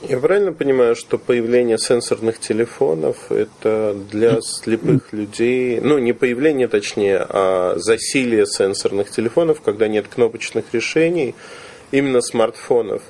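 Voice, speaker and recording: A man's voice: medium pitch, normal speed, darkish tone, a little hiss or hum. A man working as an interviewer, putting conversational questions carefully and rephrasing as he goes.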